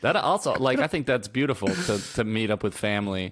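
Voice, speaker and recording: A man mumbles. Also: very clean recording, silent background. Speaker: improv comedian, podcast host. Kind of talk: casual chat. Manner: mumbling.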